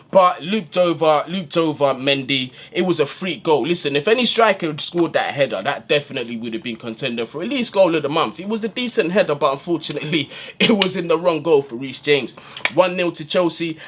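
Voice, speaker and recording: A man's voice: on the high side, fairly bright tone, a little hiss or hum. A man giving a casual, slang-filled post-match breakdown as a football fan channel host, recorded indoors in a room. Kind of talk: post-match analysis monologue.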